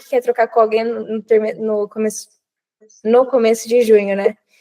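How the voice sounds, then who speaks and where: Woman with a fairly high pitch and a dark, mellow tone, fairly quick pace, dry, close sound with no echo. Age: 20s. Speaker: medical student. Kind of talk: interview.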